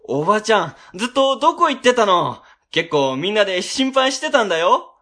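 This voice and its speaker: A man playing a flustered, excitable ward office worker in a radio drama. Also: high-pitched, fairly quick, exaggerated voice. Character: flustered, excitable male civil servant. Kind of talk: amateur web radio drama acting.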